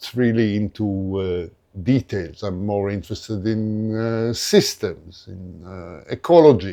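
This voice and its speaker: Speaking with a non-native accent, a man has a dark, mellow tone, a medium pitch and big swings in loudness. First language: not English. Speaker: photography youtuber and biologist. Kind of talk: casual vlog monologue. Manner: hesitant, many filler uhs.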